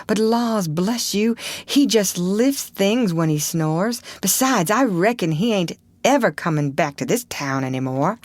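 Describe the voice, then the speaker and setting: A woman's voice: medium pitch, no echo, pitched above the performer's own voice. A woman voicing a fearful, superstitious ragged country boy who speaks in an anxious drawling whisper and thick dialect. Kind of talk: audiobook character reading.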